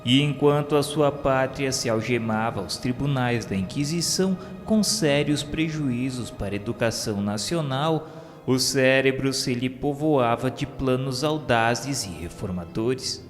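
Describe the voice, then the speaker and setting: A man's voice: medium pitch, measured pace. A man with a Brazilian accent narrates a radio drama in a formal, declamatory style. He takes his time over every phrase, and his voice trails into a long reverb with music playing underneath. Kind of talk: solemn scripted narration of a radio novela.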